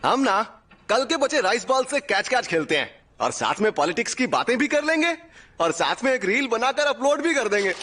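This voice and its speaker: A man's voice: very high-pitched, very animated, normal speed, bright, forceful tone, faint music behind, exaggerated voice. A man voicing a carefree, cocky sorcerer teacher in an anime fan dub, teasing and showy. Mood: playful. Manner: teasing, sing-song, showy.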